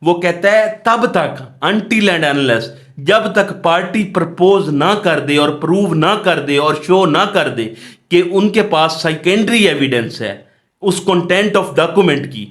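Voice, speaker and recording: Male lecturer, South Asian accent, fairly high voice, very slow delivery, explanatory, repetitive, reads clauses then explains. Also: fairly bright tone. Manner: explanatory, repetitive, asks and answers own questions. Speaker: law lecturer. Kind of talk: exam lecture, reading statute in English and explaining it.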